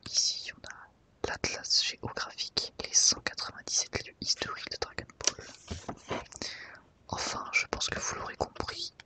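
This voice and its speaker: Quiet and unhurried, an ASMR host whispers while paging through a book for the audience.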